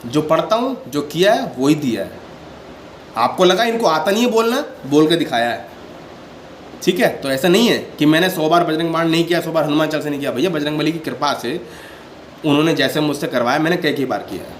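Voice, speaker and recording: A man's voice: on the high side, animated, a little fast. A man hosting a devotional channel, talking casually and earnestly to his viewers and defensively explaining himself at length, sitting indoors and recording on a handheld phone. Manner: often repeats "ठीक है" to check in with listeners. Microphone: handheld phone without stand. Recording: echoey room with faint background noise.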